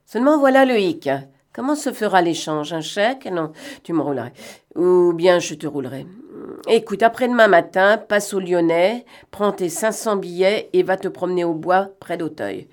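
A woman reading aloud and voicing a cunning male gentleman thief who talks in a mocking, bantering way and snaps out brisk orders. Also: fairly low pitch, lively intonation, close to an everyday voice. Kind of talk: audiobook reading.

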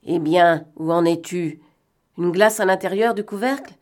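A woman reading aloud and voicing a cunning male gentleman thief who talks in a mocking, bantering way and snaps out brisk orders. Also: fairly low pitch, lightly acted. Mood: commanding. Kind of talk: audiobook reading.

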